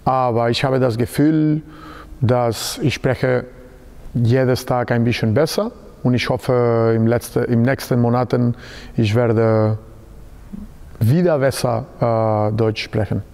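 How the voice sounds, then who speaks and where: A man in his thirties from Spain, a basketball coach answering interview questions in halting German with a Spanish accent and many fillers, recorded in a large sports hall. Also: medium pitch, steady tone, creaky, darkish tone. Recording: long hall reverb.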